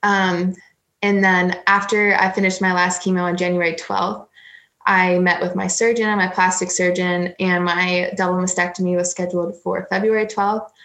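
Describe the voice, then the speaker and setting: A woman's voice: fairly low pitch, flat delivery, normal speed, a bit bright. A 21-year-old woman speaking candidly as an interview guest, rambling with many fillers. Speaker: interview guest, college swimmer. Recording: roomy echo.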